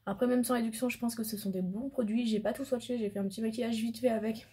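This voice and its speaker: A woman's voice: fairly high pitch, steady tone, quick pace, mellow, slightly rough. A woman chatting casually in a makeup vlog at home, rambling with lots of fillers as she swatches products. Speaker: beauty vlogger. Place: home room by a window. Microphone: camera mic.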